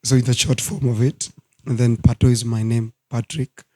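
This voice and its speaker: A hoarse man in his thirties, a guest minister speaking earnestly in a studio talk show interview. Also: mid-range voice, flat delivery, darkish tone. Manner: slow, earnest, preacherly.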